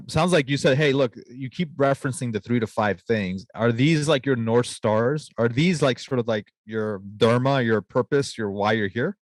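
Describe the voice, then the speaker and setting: A young adult man hosting a podcast interview. He talks reflectively, paraphrasing his guest and working in quotes, recorded on a boom-arm studio mic in an office studio. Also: no echo. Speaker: podcast host, physician.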